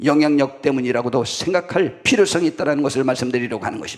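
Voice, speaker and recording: A man speaks at a fairly quick pace with lively intonation. He has an unremarkable speaking voice. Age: 60s. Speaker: pastor. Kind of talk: sermon. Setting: church.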